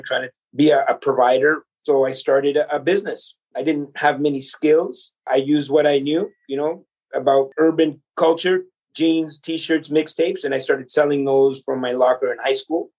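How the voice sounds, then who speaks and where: A Salvadoran man in his forties guests on a podcast, telling his life story in earnest, motivational conversation and speaking straight to the listener. His mid-range voice is darkish and level, at a normal speed. The recording quality is low.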